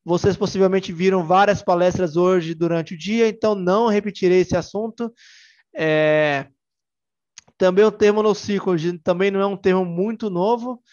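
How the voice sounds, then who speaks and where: A man's voice: high-pitched, steady tone, moderate pace, a little mellow, muffled recording. A young man with a Bahian Brazilian accent, giving a casual, joking technical conference talk full of fillers and restarts. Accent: Bahian Brazilian Portuguese. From Salvador, Bahia, Brazil. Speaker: tech conference speaker.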